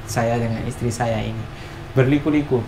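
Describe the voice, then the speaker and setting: A young man hosts a casual vlog chat in a small home kitchen, asking questions in a medium-pitched, steady voice at normal speed. The kitchen is echoey and there's noticeable background noise.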